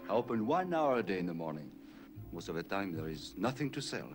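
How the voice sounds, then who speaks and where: An actor playing a firm, cool village baker who spies in a mid-century war film, with measured, dry delivery. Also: male voice, low voice, big pitch swings, over music. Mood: guarded, dry.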